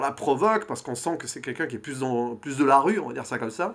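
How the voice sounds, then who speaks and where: Speaking at a fairly quick pace, the man uses lively intonation. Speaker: film reviewer, YouTuber. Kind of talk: unscripted monologue to camera. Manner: halting, with stumbles and fillers. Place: home room. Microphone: phone near.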